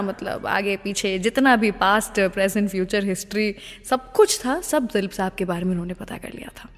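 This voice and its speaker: A woman with an Indian accent hosting a radio show, telling stories conversationally and mixing in English words. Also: mid-range voice. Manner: mixes English words into speech. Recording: long reverb, music underneath. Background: music.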